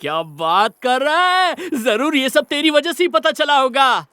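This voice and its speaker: A man's voice: very high voice, lively intonation, a little slow, sharp tone, dry recording, clean studio sound, full character voice. An actor dubbing a young man who lectures his friend about love. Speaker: friend in a dubbed film. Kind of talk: Hindi film dubbing.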